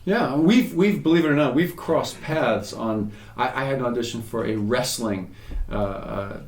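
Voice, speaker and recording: Guy hosting a podcast, chatty, tells stories, echoey room. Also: mid-range voice. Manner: chatty storyteller, quick asides. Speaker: podcast host. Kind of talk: casual interview chat.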